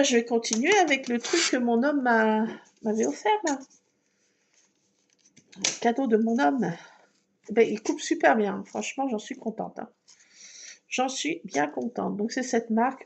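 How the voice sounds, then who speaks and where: Working on her scrapbook crafts, this vlogger chats to viewers and mutters to herself, tossing in fillers such as "voilà." Her voice is fairly high, creaky and slightly mellow, with some light background noise.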